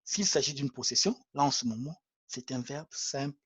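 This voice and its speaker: A man's voice: medium pitch, normal speed, fairly bright tone, breathy edge. A man teaching English grammar in French, explaining step by step and repeating example sentences aloud for the listener to practice. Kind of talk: video grammar lesson.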